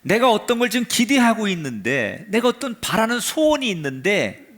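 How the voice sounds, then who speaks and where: A male pastor delivers a dramatic sermon in a church, his voice sitting a little high for a man. He swings from raised passages down to hushed, near-silent murmurs and has the congregation repeat phrases back to him. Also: very animated, moderate pace. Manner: leads the congregation in call-and-response.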